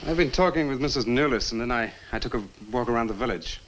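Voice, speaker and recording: Courteous, skeptical young male lead, played by an actor, mid-pitched, earnest, vintage horror picture with faint noise. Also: fast, a bit bright, lightly acted. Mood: uneasy, probing. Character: earnest, polite young man investigating a disappearance. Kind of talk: 1960s horror film acting. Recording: noisy old film soundtrack.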